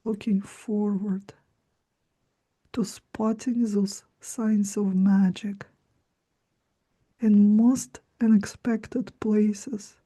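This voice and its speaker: A woman's voice: medium pitch, fairly even intonation, drawn-out words, long pauses, warm tone, breathy edge. A woman leading a guided trance in a mesmerizing, hypnotic manner, soothing and often close to a whisper. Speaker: guided trance practitioner and teacher.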